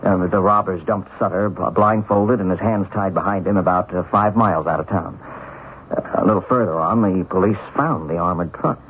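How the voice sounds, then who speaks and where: A man acts out an earnest, hesitant schoolteacher husband in a seventies radio play. His voice sits low and halts as he searches for words. The broadcast recording is dull, with faint hiss. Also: lightly acted. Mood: hesitant, recounting. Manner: hesitant, halting. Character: earnest ex-bank teller turned schoolteacher husband, hesitant, puzzled. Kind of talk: 1970s radio drama acting.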